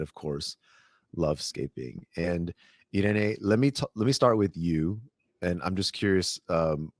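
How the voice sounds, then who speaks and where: A man with a very low voice hosts a podcast, talking in a relaxed, chatty way and often pausing on fillers and restarting his sentences. He sounds close to the mic in a dry, dead room with no echo. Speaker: podcast host. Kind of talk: podcast interview.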